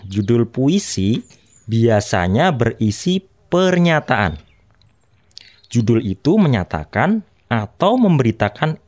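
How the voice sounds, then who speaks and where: Lively-voiced man teaching poetry reading. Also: medium pitch. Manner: patient, explanatory, lively intonation. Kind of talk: explaining poetry reading to students.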